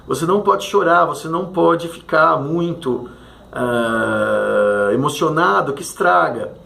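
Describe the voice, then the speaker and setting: A man voicing his late uncle's spirit, who calmly warns him not to get emotional. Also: fairly high pitch, a little slow, vocal fry, full character voice. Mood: cautioning. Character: deceased uncle spirit, caring and cautioning.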